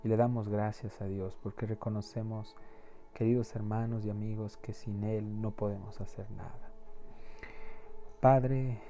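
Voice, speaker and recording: Man, preacher, earnest pleading sermon, dark mellow tone, faint music underneath. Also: on the low side, little pitch movement, normal speed. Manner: earnest, pleading, repeats words as he searches. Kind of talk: sermon and closing prayer.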